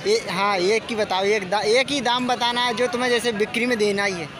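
A man, vlogging at an outdoor livestock market and quizzing sellers on their prices in a brisk, chatty way. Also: high voice, steady tone. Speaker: vlogger interviewing goat sellers. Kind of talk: casual on-the-spot questioning and commentary. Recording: loud market crowd behind.

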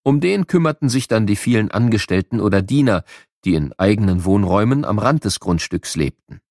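A man's voice: lowish voice, expressive, brisk, a little mellow, no echo, clean studio sound. A man narrating a scripted educational audio play for children in an explanatory storytelling manner.

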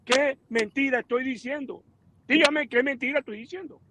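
Combative guy on a video call, very high voice, loud clicks and traffic behind. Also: moderate pace. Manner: provocative, combative. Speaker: panelist. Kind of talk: heated talk show commentary.

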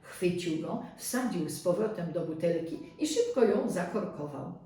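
A woman reading a fairy tale aloud as storyteller, expressive and unhurried, heard in a very echoey room from some distance. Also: fairly low pitch.

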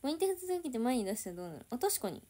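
A woman's voice: sits high, very animated, very fast, warm tone. A young woman idol chatting casually on a livestream, reading and answering viewer comments.

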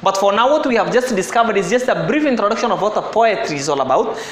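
A man with a fairly high voice, teaching an exam-prep lesson. He explains step by step, repeating words and correcting himself as he goes. The sound is echoey, as if from a bare room. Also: lively intonation, fast talker, fairly bright tone, a little hiss or hum.

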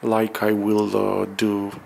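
A man narrates a casual vlog in a low voice with a lot of fry. He speaks very slowly and hesitantly, pausing often. He is recorded indoors on a handheld camera, with some background noise. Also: completely flat delivery, darkish tone. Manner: halting, hesitant delivery with drawn-out pauses. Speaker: vlogger. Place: bare room under renovation, indoors, windows open.

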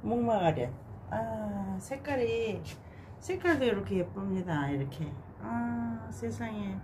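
A woman casually narrating a tour of her home balcony garden, gushing with soft admiring sighs. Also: medium pitch, lively intonation, slow pace, background noise. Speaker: gardening vlogger. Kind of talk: casual narration while showing plants.

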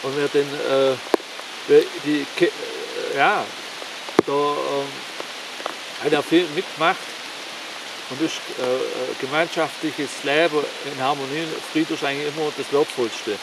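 A man in his forties talking casually to camera in a forest, rambling and halting. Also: fairly even intonation, vocal fry. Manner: rambling, halting with many fillers; louder and higher while demonstrating strikes. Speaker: martial arts YouTuber. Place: forest, outdoors. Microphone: camera on the ground, several meters off. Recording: distant camera mic with rain hiss.

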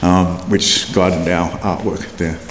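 A man's voice: low voice, flat delivery, slow. A man hosting a conference, introducing the next speaker with many hesitant fillers. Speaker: event host. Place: conference hall. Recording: echoey hall with faint noise.

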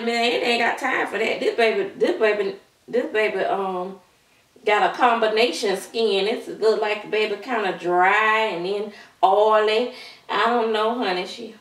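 A woman's voice: mid-range voice, a bit bright, close to an everyday voice. A woman playing a gossipy, sassy middle-aged babysitter auntie, rambling chattily and calling everyone child and honey. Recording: roomy room, mic at a distance.

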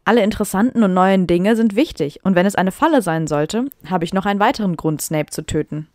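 A woman's voice: mid-range voice, fairly quick, darkish tone, no room sound, clean studio sound, close to an everyday voice. A woman reading as a moody teenage boy wizard. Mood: defiant. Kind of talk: reading aloud from fan fiction.

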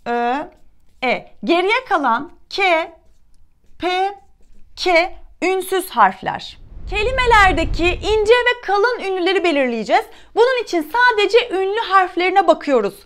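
A woman teacher from Turkey giving a lesson to young schoolchildren, slowly and clearly sounding out letters one by one. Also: very high-pitched, a bit bright. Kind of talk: children's lesson.

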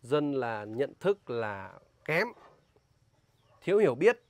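Northern vietnamese guy ranting on his vlog, fired up and emphatic, asks pointed questions, average pitch. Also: sing-song, takes it slowly, no echo. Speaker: vlogger warning villagers about a scam. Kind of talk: casual outdoor vlog talk, interviewing a local.

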